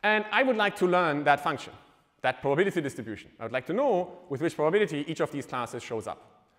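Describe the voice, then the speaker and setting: A man's voice: fairly high pitch, lively intonation, quick pace, fairly bright tone. Man lecturing in a reverberant hall. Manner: informal, wry asides, self-correcting. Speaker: university lecturer. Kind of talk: live university lecture.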